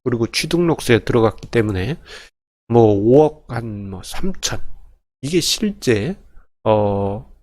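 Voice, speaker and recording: In a studio-quality recording with no room sound, an instructor walks through an informal personal finance spreadsheet tutorial step by step. His mid-range voice is expressive and darkish, slow-paced, and he stays polite and chatty while frequently correcting himself.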